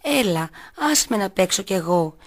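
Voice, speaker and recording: A woman's voice: medium pitch, lively intonation, close to an everyday voice. A woman voicing a jealous little boy who whines and pleads. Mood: whiny. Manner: whining, pleading.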